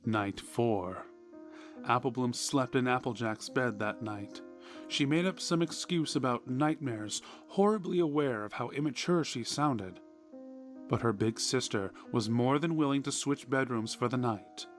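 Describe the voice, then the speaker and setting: A man reading a scripted horror story in a measured, deliberate way, with dramatic pauses. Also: mid-range voice. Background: background music.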